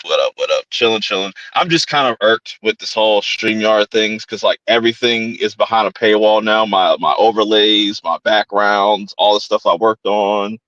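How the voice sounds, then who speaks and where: A man hosts a horror podcast, chatting casually in a laid-back, slangy style and often repeating his phrases. His voice is lowish and fairly bright, at normal speed with few pauses; the home streaming mic gives no echo but cuts off the highs.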